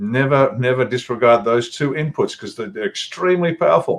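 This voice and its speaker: A man with an Australian accent speaks at a moderate pace in a fairly high pitch with ordinary pitch variation. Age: 60s. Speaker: political party leader. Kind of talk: interview.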